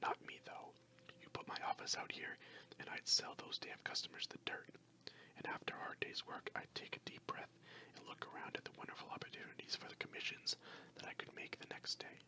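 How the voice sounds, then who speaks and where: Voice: brisk, bright, forceful tone, poor audio. Casting: narrator playing boastful, grumbling male salesman on a hike, self-important, entirely whispered ASMR storybook read. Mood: boastful, mocking. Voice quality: breathy unvoiced whisper.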